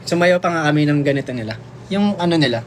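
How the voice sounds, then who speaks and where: A man's voice: a little high, expressive, fast, a little hiss or hum. Playful young man chatting on a livestream. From Philippines. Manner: playful, chatty, reads and answers comments aloud; switches freely between languages mid-sentence. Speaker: livestream host. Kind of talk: casual livestream chat.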